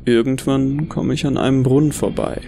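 A man reading a first-person horror story as scripted narration, in a measured, brooding storytelling manner. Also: mid-range voice, fairly even intonation, creaky, warm tone, faint music behind.

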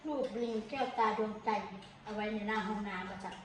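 Quick Isan woman talking while chewing, echoey. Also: mid-range voice, fairly even intonation. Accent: Isan, northeastern Thai. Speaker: vlogger in a couple's eating video. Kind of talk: casual mealtime chat. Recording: roomy, distant mic, clear background noise.

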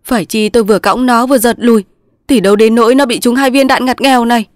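A woman voicing a young male resistance soldier, pleading in loud sobbing outbursts in a storybook reading. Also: fairly high pitch, a little fast, no room sound, studio quality, voice pushed up, natural voice. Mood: grieving.

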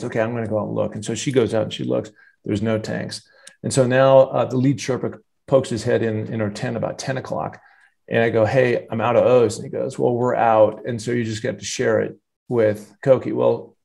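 A man in his fifties, a guest on a video-call interview, telling a long story in an animated, rambling way with many restarts. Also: on the low side, vocal fry. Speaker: interview guest, former football player. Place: home office with wood cabinet. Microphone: earbud headset on video call.

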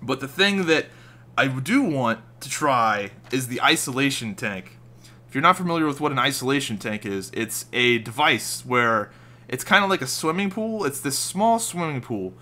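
A young man with a slightly raspy, just-woken-up voice, rambling casually and swearing freely as he talks over gameplay footage. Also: medium pitch, expressive, normal speed, pushed and bright. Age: young adult. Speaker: gaming YouTuber.

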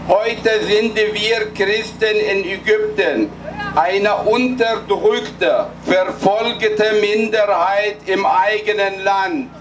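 Slow, high-voiced older man. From Egypt. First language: Arabic. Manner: solemn, deliberate, with halting restarts. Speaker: rally speaker. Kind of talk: political rally speech. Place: outdoor night rally in a city square. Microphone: handheld mic, filmed by a distant camera. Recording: far-off voice with street noise.

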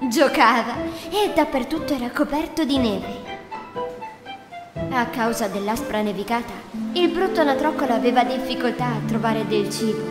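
A woman's voice: on the high side, roomy sound, long reverb tail. A woman narrating a children's fairy tale in a scripted storybook style.

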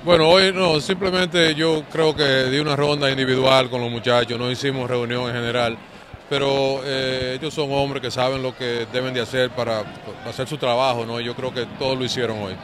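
A man with a Dominican accent, a baseball manager answering post-game questions in a measured, hesitant way. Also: medium pitch, level tone. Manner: measured, hesitant with many fillers. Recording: noisy outdoor field recording.

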